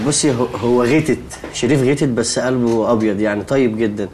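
A man's voice: medium pitch, steady tone, moderate pace, slight background noise, lightly acted. A man with an Egyptian accent playing a flustered young man who keeps losing patience. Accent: Egyptian Arabic. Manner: patient at first, then exasperated and shouting. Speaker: young man hosting a friend and a classmate. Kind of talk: sitcom acting.

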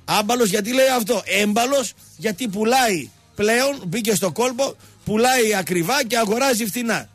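A man's voice: high voice, no echo, faint music behind. A man hosting a radio sports show, mocking and digressive as he rambles about football. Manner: animated, mocking, digressive storyteller. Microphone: radio studio microphone.

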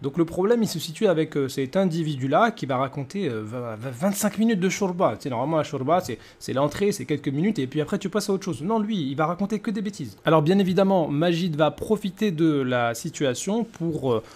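Higher-voiced man, mocking video commentator. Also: a little fast, hardly any pauses. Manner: mocking, animated rhetorical questioning. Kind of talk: conversational rebuttal commentary to camera.

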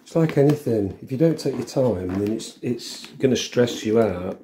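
A middle-aged man talks through a practical job at home in a casual, unscripted way. His voice is mellow and halting, thinking aloud as his hands work, with background noise and small clicks around him. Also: medium pitch, animated. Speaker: vlogger demonstrating a helmet intercom fitting. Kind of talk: casual hands-on tutorial chat. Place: room at home, indoors.

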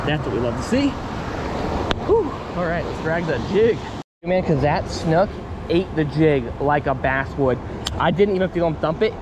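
A young man narrating his fishing trip outdoors, chatty and excited, repeating words for emphasis, recorded on an action camera. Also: fairly high pitch. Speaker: fishing vlogger. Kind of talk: casual narration while fishing. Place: outdoors by a river spillway. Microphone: action camera on chest or head. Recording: outdoor recording with clear background noise.

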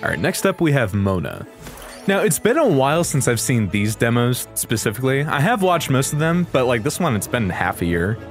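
A young man gives casual reaction commentary as a video host. His mid-pitched voice moves up and down a lot, and he talks in easy slang. Music plays faintly behind him. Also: a little fast. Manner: slangy, animated.

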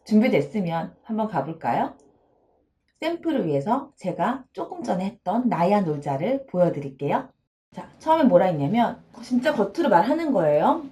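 A woman counseling psychologist giving a playful, expressive video lecture, acting out little dialogues as she explains. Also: medium pitch, moderate pace. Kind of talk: video lecture on self-esteem.

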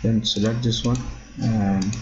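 A man with a fairly low voice gives a screen-recorded software tutorial in halting. He stops often on "okay" as he walks through each step. The sound is dull and lo-fi, from a basic computer mic. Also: fairly even intonation, noisy background. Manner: halting, repeats "okay" often, non-native phrasing. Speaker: drafting instructor.

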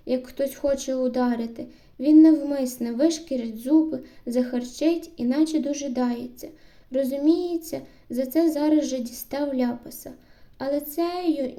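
A woman narrating a literary audiobook story in a measured storytelling manner with steady phrasing. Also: high-pitched.

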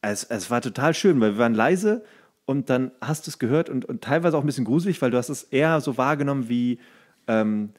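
A man co-hosting a podcast, telling anecdotes in casual, colloquial, halting speech. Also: mid-range voice, lively intonation, darkish tone. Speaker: podcast co-host.

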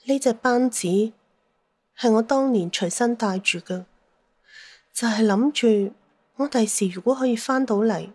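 A woman's voice: fairly high pitch, unhurried, long pauses, darkish tone, husky, no room sound. A middle-aged mother. She is shrewd, jealous and sentimental, pleading with theatrical sighs as in a radio play. The sound is close and dry. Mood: calculating, wistful. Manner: plaintive, theatrical, sighing. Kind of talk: Cantonese audio drama acting.

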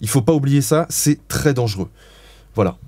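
A man's voice: medium pitch, expressive, normal speed, dark tone, no echo. A man giving dog-training advice as an interview guest, explaining in a frank, blunt way with casual swearing.

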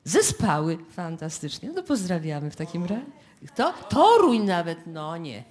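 A woman's voice: lowish voice, sing-song, moderate pace. A woman radio host speaking live before a studio audience, chatty and addressing the listeners directly. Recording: live stage with loud crowd and music. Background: loud audience noise and music.

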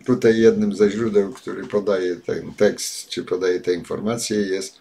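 Older male commentator, lowish voice, halting delivery full of filler sounds, home webcam. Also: level tone, creaky, mellow, slightly rough. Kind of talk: spoken commentary with read-out passages. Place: home study with bookshelves, indoors.

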